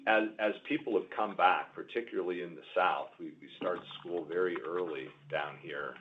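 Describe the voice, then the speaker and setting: A man answering questions as a company executive on an earnings call, halting and repeating words as he explains. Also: low voice, a little hiss or hum. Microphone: conference call line. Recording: muffled narrow-band conference call audio.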